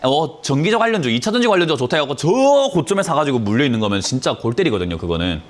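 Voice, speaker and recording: Man, sore throat, fast talker, lively pitch, blunt lecturing stock advisor. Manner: blunt, lecturing, fast-talking, emphatic rhetorical questions. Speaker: stock market advisor taking callers. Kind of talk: call-in stock consultation.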